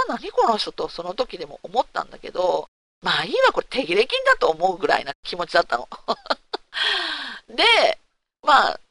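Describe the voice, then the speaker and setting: Hosting a talk segment, a woman with a mid-range voice and vocal fry tells a personal story in a candid, casual way. She's frank and animated, throwing rhetorical questions at her listeners, and the recording has no room sound.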